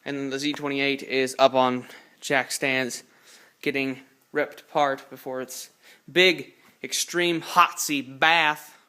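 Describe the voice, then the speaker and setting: A man's voice: mid-range voice, flat delivery, slow, bright, forceful tone, smooth. An eighteen-year-old man casually walking through his car project in a home garage, rambling and correcting himself as he films on a phone. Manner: rambling, self-correcting, plain-spoken. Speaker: hobby car builder. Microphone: handheld phone camera.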